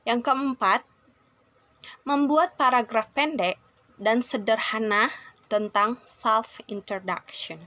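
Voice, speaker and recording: A woman's voice: a little high, slow, sharp tone, no room sound. A young woman student teacher with an Indonesian accent introduces a lesson and lists its goals one by one. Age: young adult.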